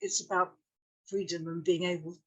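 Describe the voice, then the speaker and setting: A woman's voice: lowish voice, level tone, moderate pace, husky. Earnest woman sculptor, repeating phrases. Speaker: sculptor guest. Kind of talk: interview answers.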